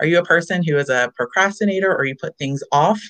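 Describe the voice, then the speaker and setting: Her voice fairly low, a woman speaks at a fairly quick pace with lively intonation. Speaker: sponsor segment co-host. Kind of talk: sponsor announcements.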